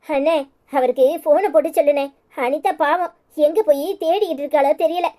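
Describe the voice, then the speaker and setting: A woman's voice: high voice, brisk, warm tone, close to an everyday voice. A woman voicing a fierce, tearful village mother in a cartoon, with a Tirunelveli Tamil accent. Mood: worried. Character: emotional, fiery village mother. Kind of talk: cartoon voice acting.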